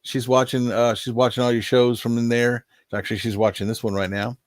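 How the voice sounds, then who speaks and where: A man's voice: mid-range voice, little pitch movement, a little fast, no room sound, clean studio sound. An older man hosting a casual live stream, rambling in a folksy way and reading out viewer names, a little nasal from allergies. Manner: rambling, folksy, chuckling asides.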